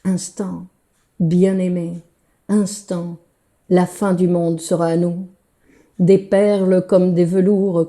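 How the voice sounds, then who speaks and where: Female poetry reader, very mellow and relaxed tone, unhurried, measured literary delivery. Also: fairly low pitch. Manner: measured, deliberate phrasing with pauses.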